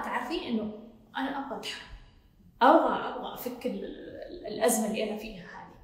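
A quick-talking woman with a Gulf Arabic accent answers questions as a self-development coach, sitting a little high in pitch. She sounds emphatic and reassuring and circles back to repeat her points. Her voice rings with heavy, long reverb, as if in a big echoing hall. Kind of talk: casual Q&A talk.

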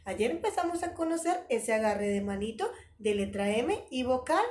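Sing-song woman, lively preschool teacher. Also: a little high, normal speed, slight background noise. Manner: sing-song, exaggerated, encouraging. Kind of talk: online preschool lesson.

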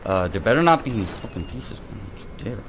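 A man giving let's play commentary, excitable and rambling, swearing and yelling at enemies between many fillers. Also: on the low side, brisk, slight background noise. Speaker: gaming video host.

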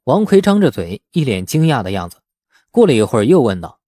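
A male audiobook narrator with a mellow, warm tone and a medium pitch. He reads fiction dramatically, with lively intonation, in a dry, close recording. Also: fairly quick, dry recording. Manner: expressive storytelling. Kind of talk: dramatic scripted narration of a novel.

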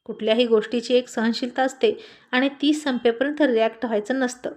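A woman reading the lines of a calm, self-controlled young male student, measured and restrained. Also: a little high, natural voice.

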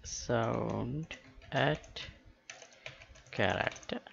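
A man giving an unscripted software tutorial, halting as he thinks aloud. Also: medium pitch, gravelly, dull audio, slight background noise. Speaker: tutorial host.

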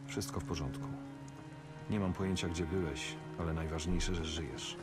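An actor playing a gruff but caring older monster hunter in a fantasy video game, with music behind. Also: male voice, deep voice, normal speed, lightly acted. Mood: reassuring.

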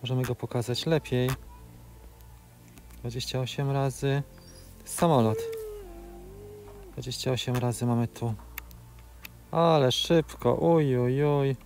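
A man's voice: medium pitch, steady tone, slow, long pauses, a little mellow, faint music behind. A man in his forties gives a practical, step-by-step tutorial commentary while flying a drone outdoors, with filler sounds between phrases. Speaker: drone video creator. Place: outdoors in open grassland.

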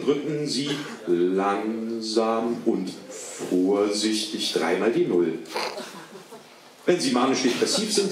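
A man reading out a deadpan parody hotline message as an answering machine recording, in a formal announcer manner. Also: mid-range voice. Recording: echoey, distant, noisy recording.

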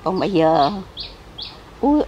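Recorded on very noisy, lo-fi audio, a weak and frail older woman talks slowly in a low, sing-song voice. Interviewed outdoors near a cemetery, she chats casually, rambling and repeating herself.

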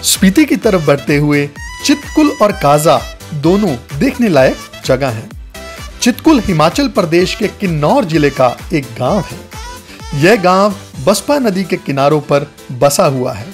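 A man's voice: a little high, very animated, measured pace. A man narrating a travel guide as a scripted voice-over, speaking to viewers as friends. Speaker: travel vlogger. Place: voice-over, not recorded on location. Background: faint background music.

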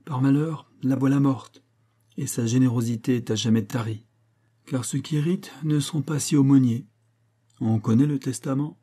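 A man's voice: mid-range voice, moderate pace, dark tone, pitched above the performer's own voice, natural voice. A man voicing a shrewd male country gendarme who asks pointed, needling questions in an audiobook. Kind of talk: audiobook character voice.

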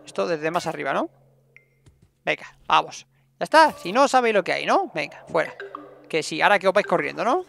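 Creaky high-voiced gamer man. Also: big pitch swings, a little fast, a bit bright, soft background music. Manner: chatty, talks to his game characters. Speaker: gameplay streamer. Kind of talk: casual let's play commentary.

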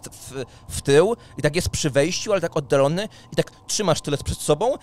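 A man's voice: a little high, lively intonation, a little mellow. Man running a tabletop game. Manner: halting, repeats words as he improvises. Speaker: game master. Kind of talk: improvised narration of a tabletop role-playing game. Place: indoor streaming room. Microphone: microphone on boom arm, close, with headphones.

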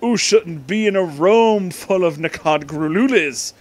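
Man playing pompous male principal, high voice, outraged, scolding, drawn-out words, comic storybook reading.

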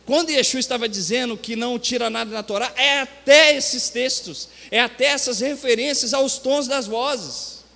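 A man's voice: very high voice, moderate pace, gravelly, hardly any pauses, sharp tone. A man preaching a sermon in a conversational style, talking to the congregation and rising to emphatic points. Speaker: pastor. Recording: reverberant church hall.

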